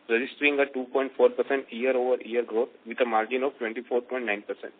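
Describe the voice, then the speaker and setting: A man with an Indian accent reading out prepared financial results as a finance chief. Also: mid-range voice. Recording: tinny phone conference line.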